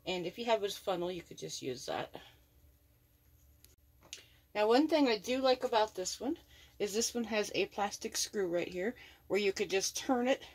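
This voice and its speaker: A woman's voice: medium pitch, lively intonation, moderate pace, pauses often, a little mellow, slightly rough. A woman giving a chatty, upbeat unboxing review of a tool in her home workshop, talking from behind the camera. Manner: chatty, upbeat, repeats praise. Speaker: product reviewer.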